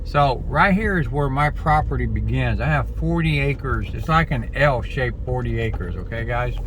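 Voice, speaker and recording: Against noticeable background noise and audible room echo, a man speaks at a moderate pace with hardly any pauses. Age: 60s. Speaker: vlogger. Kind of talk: casual vlog narration while driving. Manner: conversational, halting with fillers.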